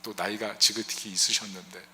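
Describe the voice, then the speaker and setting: A man's voice: on the low side, level tone, brisk, pushed and bright, slight background noise. A man pastor preaching a sermon in a conversational way, asking the congregation rhetorical questions and acting out quoted prayers. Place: church sanctuary. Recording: long hall reverb.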